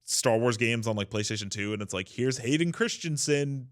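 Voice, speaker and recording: A man's voice: medium pitch, lively intonation, moderate pace. A man in casual, joking conversation on a podcast panel, peppering his loose sentences with filler words.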